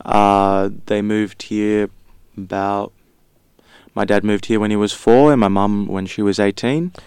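A young man from Australia answering interview questions in short phrases with pauses. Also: lowish voice, steady tone, a little mellow, clean tone, dry recording. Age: young adult. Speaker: young lay missionary guest.

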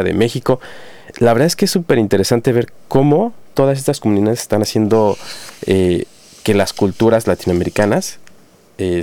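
A man hosts a relaxed community radio chat, talking in a smooth, resonant voice that sits a little low. He is friendly and chatty, filling gaps with hesitations as he announces local events. The sound is dry and close to the microphone. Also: dry recording. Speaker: radio show host.

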